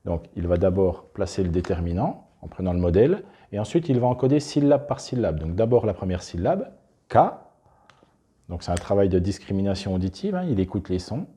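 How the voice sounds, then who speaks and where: Man, lowish husky voice, deep dark tone, talking through a hands-on classroom demo. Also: sing-song, fairly quick, hardly any pauses. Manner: unscripted, restarts, talks while handling materials. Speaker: presenter demonstrating a teaching method. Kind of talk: explanatory demonstration.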